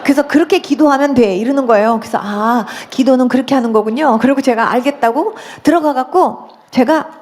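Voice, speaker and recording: A woman's voice: sits high, fairly quick, a little mellow. A woman pastor telling her conversion testimony in a sermon, acting out her own past pleading prayers with strong emotion.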